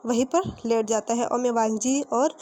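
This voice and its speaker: A woman narrates a fan fiction story in a relaxed, conversational way, stopping for fillers and fixing her own slips. Her voice sits a little high yet sounds soft and mellow. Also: moderate pace.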